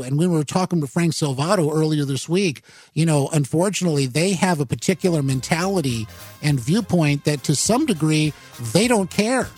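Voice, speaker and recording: On his talk radio show, a man with a slightly high, somewhat mellow, slightly rough voice discusses the news. He rambles and halts into the studio microphone, packing his speech with fillers and self-corrections.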